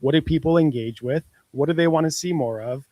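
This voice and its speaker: A man's voice: fairly high pitch, fairly quick, dark tone, no room sound. Upbeat man co-hosting a podcast. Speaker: podcast co-host. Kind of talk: casual business podcast chat.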